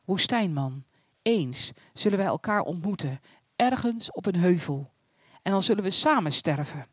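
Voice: medium pitch, lively intonation, moderate pace, husky, no room sound, studio quality. A storyteller voicing God as a male figure who speaks in solemn, proclaiming tones. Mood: gentle.

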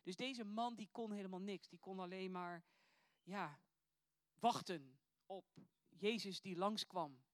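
A woman preaching in an earnest, musing way, asking searching questions as she talks. Her pitch sits in a middle range, and the recording is dry and close. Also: a little slow, no echo. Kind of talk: sermon with scripture reading.

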